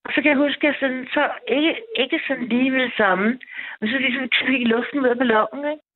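A woman's voice: high-pitched, steady tone. A woman in her fifties calling in, rambling through a personal story and repeating herself a lot. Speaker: caller. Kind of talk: personal storytelling on a call-in show. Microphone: telephone. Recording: tinny phone line.

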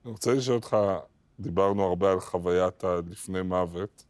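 A man hosting a podcast, asking interview questions in a calm, measured way. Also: low-pitched. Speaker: podcast host.

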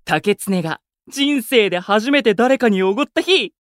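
Exuberant, high-pitched young idol. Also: male voice, moderate pace, no echo, clean studio sound. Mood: fond reminiscing. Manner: animated, boyish, rough casual speech. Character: exuberant, warm-hearted young male station idol, teasing friend. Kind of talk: Japanese anime-style voice drama acting.

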